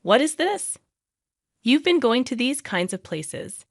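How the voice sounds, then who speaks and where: A woman's voice: sits high, big pitch swings, takes it slowly, no echo, studio quality, heavily acted. A woman voicing an indignant adult sister-in-law in a story narration. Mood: outraged.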